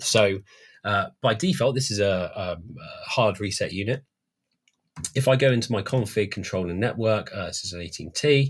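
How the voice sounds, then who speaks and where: A somewhat breathy man's voice in a Cornish accent, medium in pitch, with lively intonation, big swings in loudness and a moderate pace. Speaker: product specialist demonstrating audio mixers. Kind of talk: live stream product demo. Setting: live stream. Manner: relaxed, casual.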